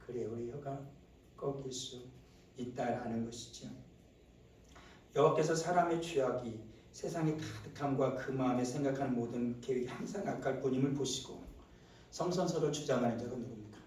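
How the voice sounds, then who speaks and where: A male pastor preaching a Sunday sermon, swinging from low murmurs to loud, shouted exclamations and asking the congregation rhetorical questions. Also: normal speed, a little hiss or hum. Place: church sanctuary. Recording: very echoey church hall, mic at a distance.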